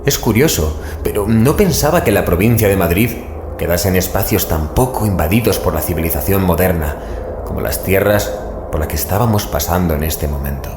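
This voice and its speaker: A musing investigator of mysteries in an audio drama. His voice is on the low side, with a Spain Spanish accent. It echoes over clearly audible background ambience. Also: expressive, a little fast, noisy background. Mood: brooding. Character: Pablo, musing, bantering man investigating mysteries. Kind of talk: scripted audio drama narration and dialogue.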